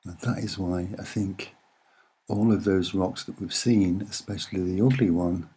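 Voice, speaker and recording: A soft-spoken man giving unscripted commentary on images in short, deliberate, hesitant phrases. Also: sits low, slightly rough. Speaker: amateur presenter explaining photographs.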